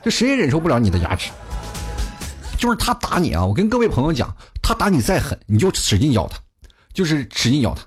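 A man's voice: fairly high pitch, huge pitch swings, quick pace, soft background music. A man telling funny stories in a chatty comic monologue as a talk show host, often laughing at his own jokes.

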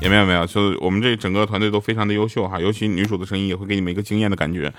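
A man's voice: lowish voice, steady tone, rapid-fire, a bit bright, dry recording, faint music behind. A man who voices radio dramas, telling funny stories in a casual, chatty monologue and laughing at his own punchlines. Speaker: radio drama voice actor promoting his show.

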